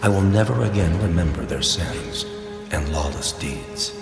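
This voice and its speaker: God, very low voice, solemn, commanding, long reverb, music underneath, dramatized scripture. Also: male voice, expressive, gravelly. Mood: solemn, authoritative. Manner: solemn, measured.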